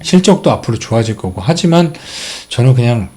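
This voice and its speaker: Middle-aged male host, lively pitch, casual filler-heavy stock commentary. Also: a little fast. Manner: explains charts step by step with many fillers.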